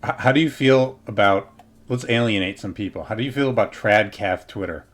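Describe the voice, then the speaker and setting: Low-voiced man hosting a casual stream. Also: a little fast, fairly bright tone. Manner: playful, scattered, stop-start questioning. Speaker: livestream host. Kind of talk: casual interview while gaming.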